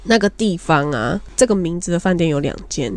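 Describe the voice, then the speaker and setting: Podcast co-host, young woman, Taiwanese Mandarin accent, animated storyteller, very dry close sound. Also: on the low side, brisk, dry recording. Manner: animated storytelling, frank and laughing. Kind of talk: casual chat.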